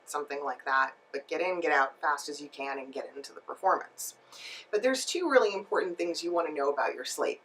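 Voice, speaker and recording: A woman's voice: lowish voice, a bit bright, far from the mic, low-quality recording. A woman giving instructional tips to camera as a voice-over coach and host, emphatic and speaking directly to her viewers. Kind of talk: instructional video talk to camera.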